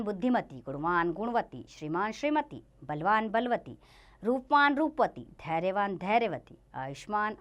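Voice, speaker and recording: A woman's voice: medium pitch, a bit bright. A woman teaching a grammar lesson to children, reading word lists in a rising and falling lilt and speaking to them directly. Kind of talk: Hindi grammar lesson narration.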